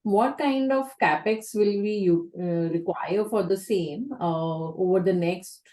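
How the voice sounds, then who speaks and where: A woman's voice: medium pitch, a little slow, dark tone. A woman speaking as an analyst, putting long conversational questions on an earnings call. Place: conference call.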